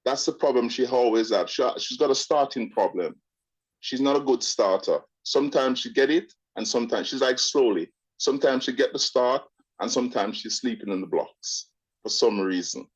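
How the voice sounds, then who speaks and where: A man's voice: mid-range voice, normal speed, breathy edge. A man from Jamaica with a blend of Jamaican and British speech calls in to a show, chatting in a casual, opinionated way. He often restarts his sentences and repeats words before getting to the point. His voice arrives over a dull, narrow-sounding phone line. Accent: Jamaican with British mix. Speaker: caller. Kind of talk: casual call-in chat.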